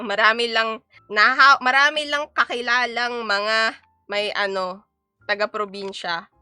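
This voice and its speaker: A young woman with a Filipino accent chatting on a cooking stream. Her voice is bright and clear, a little higher than most, and she talks in a playful, chatty way. It sounds like a dry room with faint music in the background. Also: steady tone, takes it slowly, no room sound. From Philippines. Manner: playful, chatty, switching between Tagalog and English. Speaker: VTuber streamer. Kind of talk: casual live-stream chat while cooking.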